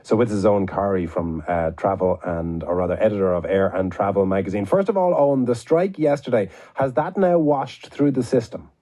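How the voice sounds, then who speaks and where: A man's voice: on the low side, lively intonation, fairly quick, few pauses, dark tone. A man hosting a radio interview and putting questions to a guest. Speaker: radio host. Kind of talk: broadcast interview.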